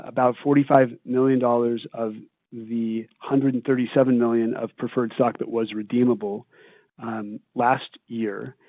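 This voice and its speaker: A man speaking as a company executive, answering questions on an earnings call in a measured, halting way. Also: medium pitch. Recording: tinny phone line, roomy echo.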